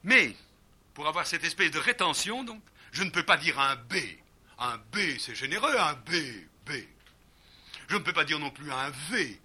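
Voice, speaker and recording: Lively, piercingly bright male lecturer. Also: fairly high pitch, breathy edge. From Brazil. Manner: demonstrative, acts out the sounds of words, many pauses. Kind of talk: lecture on the sound of languages.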